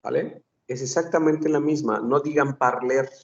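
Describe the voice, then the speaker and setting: A man's voice: mid-range voice, slow, creaky, far from the mic. A man teaching a French phonetics class, patiently repeating sounds and examples. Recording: dull lo-fi recording.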